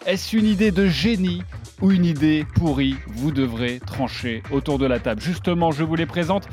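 A man hosts a golf talk show with a fairly high voice. He presents in a lively, scripted way, with faint music behind him. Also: moderate pace. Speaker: podcast host.

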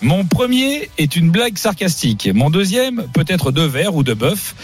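A teasing man hosts a radio football quiz, his voice set high and bouncing all over the place. He jumps into falsetto for laughs. Soft music plays behind him. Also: sing-song, moderate pace, slightly rough. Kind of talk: playful radio quiz hosting.

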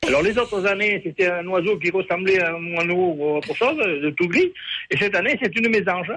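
A man's voice: sits high, moderate pace, bright, forceful tone, slight background noise, poor audio. A man from the Ardèche with a southern French accent, an older caller telling a rambling, hesitant story on a radio phone-in. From Ardèche, southern France. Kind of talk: phone-in chat.

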